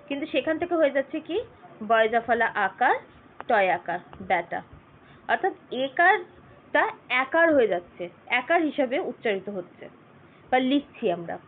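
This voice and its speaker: A woman teacher giving an online grammar lesson, explaining slowly and spelling words out letter by letter. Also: high voice. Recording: tinny phone-like audio.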